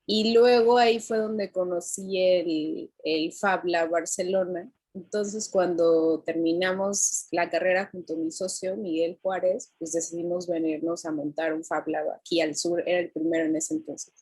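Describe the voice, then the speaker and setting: A woman's voice: lowish voice, steady tone, unhurried, hardly any pauses, darkish tone, breathy edge, no room sound, poor audio. A woman from southern Mexico with a Mexican accent, speaking as a panel guest in an easygoing, conversational way. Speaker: panel guest, fab lab founder. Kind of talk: casual online panel chat.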